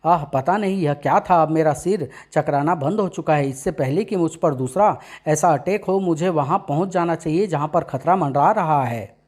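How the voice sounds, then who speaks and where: A man's voice: a little high, normal speed, few pauses, darkish tone, lightly acted. A man voicing a brave young male superhero from a comic story, speaking firmly and commandingly. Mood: determined.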